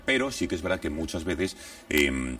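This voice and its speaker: A talk show host with a Catalan accent and a very deep voice. He builds long, expansive sentences. His voice sounds a little distant from the microphone. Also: big pitch swings, moderate pace, fairly bright tone, faint music behind. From Catalonia, Spain. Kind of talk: television talk show discussion.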